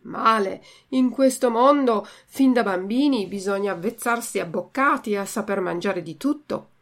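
Woman doing a kind old woodcarver, calm, admonishing, storybook voice. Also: mid-range voice, moderate pace, lightly acted. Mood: patient. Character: patient, kindly old male woodcarver.

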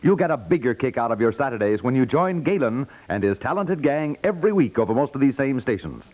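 A man's voice: medium pitch, big pitch swings, fast. A man with an American accent reading scripted 1950s network radio announcements in a polished, upbeat sales delivery. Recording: dull lo-fi 1950s radio recording.

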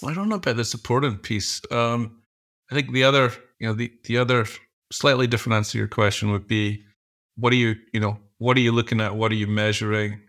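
A man's voice: mid-range voice, steady tone, a little fast, a bit bright. A middle-aged man answering interview questions as a guest, thinking aloud with frequent restarts and fillers. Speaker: podcast guest, executive coach.

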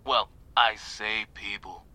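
A man's voice: fairly low pitch, steady tone, slow, bright, forceful tone, exaggerated voice. An actor playing a laid-back young male stoner calling a radio show, drawling and slangy, then growing frantic. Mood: uneasy. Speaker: radio caller. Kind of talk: audio drama acting.

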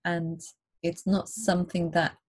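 A woman from Germany, a guest on a video call, talking in a thoughtful, hesitant way with many pauses. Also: fairly low pitch, flat delivery, a little mellow, breathy edge. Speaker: interview guest. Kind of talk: casual chat. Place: home on a small island.

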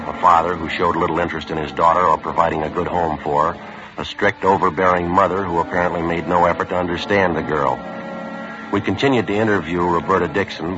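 A terse, matter-of-fact police detective, played by a man, narrates in a clipped, businesslike way, with a very low voice and a brisk, rapid pace. The sound is a dull, lo-fi vintage radio broadcast with clear music underneath. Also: natural voice. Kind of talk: 1950s radio drama acting.

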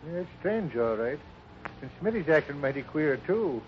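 On a dull old radio recording, a kindly cowhand. His voice is high and animated, with a folksy, concerned way of talking. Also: normal speed. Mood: puzzled. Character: curious, kindly cowboy ranch hand. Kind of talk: 1950s radio drama acting. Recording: dull, faintly noisy 1950s radio recording.

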